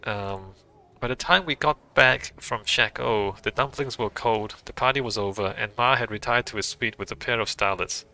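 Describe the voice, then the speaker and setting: Guy doing a worn out hotel waiter dishing gossip, raspy edge, sharp tone. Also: lowish voice, moderate pace. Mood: confiding. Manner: confiding, gossipy. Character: weary male hotel waiter, put-upon.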